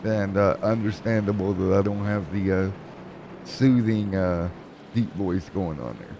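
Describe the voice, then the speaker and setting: A man's voice: sits low, measured pace, gravelly, noisy background. A man calling an esports race, with jokes and rambling play-by-play. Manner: joking, rambling play-by-play with fillers. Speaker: race commentator.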